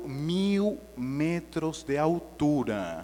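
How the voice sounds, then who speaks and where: A man with a non-native accent speaks at a very slow pace. His pitch is fairly high with ordinary variation, and noticeable background noise is present. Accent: foreign Spanish-speaking accent in Portuguese. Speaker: spiritist speaker. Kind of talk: public talk. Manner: light humorous.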